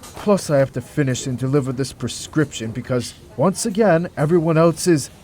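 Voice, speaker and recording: An actor playing an earnest, overworked hospital doctor in an audio drama, articulate and patient with some exasperation. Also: male voice, on the high side, moderate pace, a little mellow, slight background noise, close to an everyday voice. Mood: weary.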